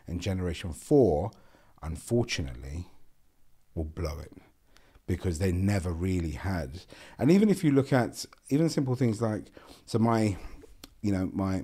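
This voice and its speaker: Deep-voiced South London man, earnest. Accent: South London English. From South London, England. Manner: earnest, repeats words, animated with hand gestures. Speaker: podcast guest. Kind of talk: casual interview talk. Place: small bright studio room with a window. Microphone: boom-arm podcast microphone.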